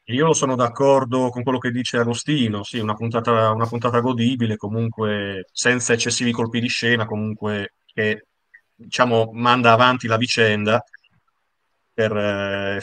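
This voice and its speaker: A man in his thirties giving casual, halting comments as a guest on a video call. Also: lowish voice, fairly bright tone, no echo. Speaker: guest panelist. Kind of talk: casual episode discussion. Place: room at home.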